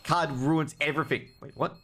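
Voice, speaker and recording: A man's slightly high, steady voice, a bit bright, moves at a moderate pace. He's doing relaxed, joking live commentary on an esports match and bantering with his viewers. Clear background noise and clicks are present.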